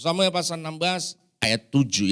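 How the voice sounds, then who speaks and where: A man speaks at a fairly slow pace with lively intonation. The sound is dry and close with no echo, in a very clean recording with a silent background. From Indonesia, Batak (North Sumatra). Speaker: pastor. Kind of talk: sermon. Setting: church with congregation. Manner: loud, shouting; high-pitched.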